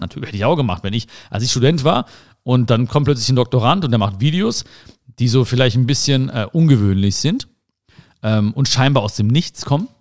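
A man in his thirties, raised in Germany, hosting a motivational podcast in an earnest, emphatic way, his pitch rising sharply on key phrases. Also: darkish tone. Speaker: podcast host. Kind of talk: motivational talk.

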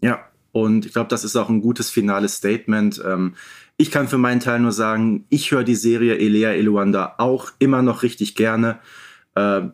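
A man co-hosting a podcast in a casual, measured, explanatory way. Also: fairly low pitch, steady tone. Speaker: podcast co-host.

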